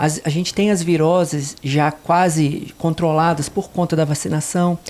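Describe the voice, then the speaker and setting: A man's fairly high voice in a Minas Gerais accent, at a fairly slow pace. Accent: noticeable Minas Gerais (mineiro). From interior of Minas Gerais, Brazil (Carandaí, Zona da Mata). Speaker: ENT doctor. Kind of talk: TV interview, explaining medical topics.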